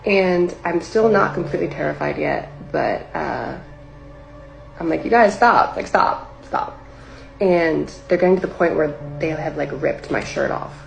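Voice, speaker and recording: A woman's voice: sits low, normal speed, gravelly, soft background music, poor audio. A young woman casually telling a personal story, rambling with lots of "like" fillers. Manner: rambling, heavy use of "like" fillers. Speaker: storyteller recounting a personal experience. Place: livestream or video setup.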